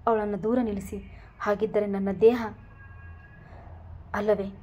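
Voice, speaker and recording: A woman narrating a romantic story, voicing every character herself and singing some lines slowly. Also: mid-range voice, flat delivery, dark tone, dull audio. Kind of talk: scripted story narration with voiced dialogue.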